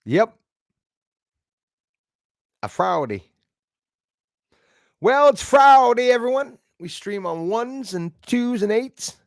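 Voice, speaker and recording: A man's voice: extremely high pitch, sing-song, takes it slowly, creaky, pauses often, dry recording, clean studio sound. A man in his sixties hosting a casual live stream, chatting in a rambling way and thanking viewers by name. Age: 60s.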